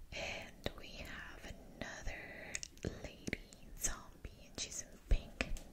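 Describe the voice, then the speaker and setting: Someone is whispering. The voice belongs to a woman. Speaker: ASMR creator. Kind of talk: ASMR whisper video. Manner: whispered. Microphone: studio mic.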